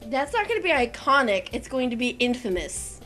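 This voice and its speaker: A woman's voice: fairly high pitch, very animated, a little fast, bright, forceful tone, soft background music. A woman hosting a game video, reading the story aloud and scolding her co-host. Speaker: let's-play host. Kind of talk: reading a visual novel aloud.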